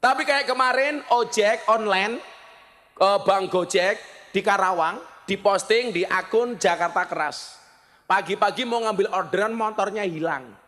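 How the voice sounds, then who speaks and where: A middle-aged man with a Javanese accent, preaching in a lively, joking village sermon style. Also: high voice, a little slow. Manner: joking, mixes in Javanese phrases.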